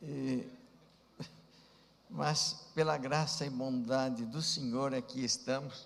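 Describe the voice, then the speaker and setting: Amid audible room echo, a man speaks at a very slow pace with long, frequent pauses, a medium pitch, and fairly even intonation. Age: 70s. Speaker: pastor. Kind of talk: sermon.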